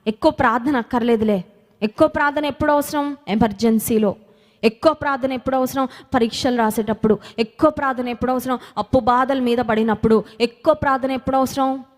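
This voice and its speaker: A woman preacher, giving a sermon and leading prayer, repeating phrases and asking herself questions. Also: high voice. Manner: repeats phrases, asks and answers her own questions, drops into English. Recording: long hall reverb with music behind.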